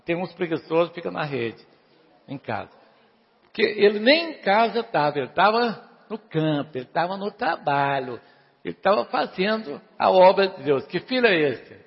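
A man preaches with a high, husky and gravelly voice, animatedly retelling a parable and firing questions at his listeners. The sound is muffled and rings with a long hall echo. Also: moderate pace. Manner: animated, asks the congregation questions, urges them to answer louder.

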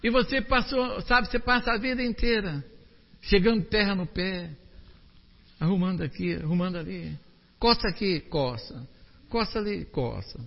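A man preaching a sermon, animated, asking the congregation rhetorical questions. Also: high voice, normal speed, vocal fry, long reverb tail, lo-fi sound.

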